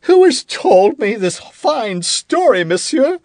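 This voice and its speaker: A man voicing a fretful, self-pitying king who turns irritable and accusing, with a high, whiny, petulant voice in an audiobook. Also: sing-song, takes it slowly, a little mellow, no echo, clean studio sound, exaggerated voice. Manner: rising into indignant outbursts. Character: fretful, self-pitying middle-aged king, quick to anger. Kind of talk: audiobook character reading.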